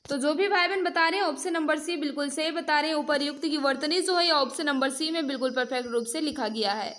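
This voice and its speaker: A woman with a high-pitched voice leads an exam-prep quiz. She speaks straight to her learners as friends, reading questions and prompting them again and again for the answer. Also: fast, a bit bright. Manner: repetitive prompting, addresses learners directly as friends. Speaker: teacher hosting an online exam-prep class. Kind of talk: interactive mock-test lesson, quizzing viewers.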